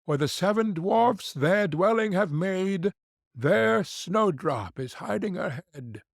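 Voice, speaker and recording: A man's voice: high voice, expressive, takes it slowly, gravelly, dry recording, clean studio sound, voice pushed up, exaggerated voice. A man voicing a solemn magic mirror in an audiobook, chanting its answer as a rhyme. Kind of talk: audiobook reading.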